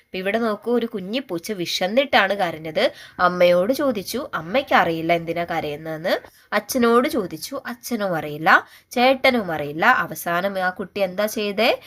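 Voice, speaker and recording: Woman teacher for a children's lesson video, gentle, coaxing, full of questions. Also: medium pitch, expressive, normal speed. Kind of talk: primary school lesson for young children.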